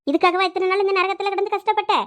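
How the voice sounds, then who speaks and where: A woman's voice: very high voice, little pitch movement, rapid-fire, fairly bright tone. A woman voicing an older female servant in a cartoon, firm and reassuring, with a Thoothukudi Tamil accent.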